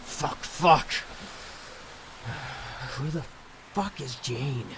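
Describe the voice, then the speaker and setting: A man's voice: a little high, expressive, drawn-out words, fairly bright tone, slight background noise, full character voice, rough recording. A man playing a foul-mouthed, confused killer on the run in an audio drama. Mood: agitated, baffled.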